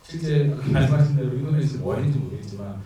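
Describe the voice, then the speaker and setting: Fast-talking dark-voiced man. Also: mid-range voice, a little hiss or hum. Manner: explanatory, filler-heavy. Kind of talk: explaining at a screening Q&A. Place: cinema auditorium. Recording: echoey hall, distant mic.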